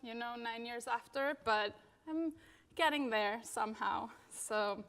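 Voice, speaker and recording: A woman's voice: fairly high pitch, a little slow, a bit bright. Chatty woman designer giving a talk. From Venezuela. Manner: casual, many fillers, frequent "you know" and "like". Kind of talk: conference talk.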